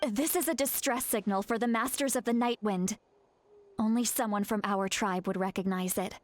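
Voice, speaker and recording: A woman's voice: medium pitch, normal speed, dry recording, natural voice. A woman playing a brash, impatient tribal warrior in a video game, with a hot-tempered, muttering manner. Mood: focused, urgent. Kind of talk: video game character voice acting.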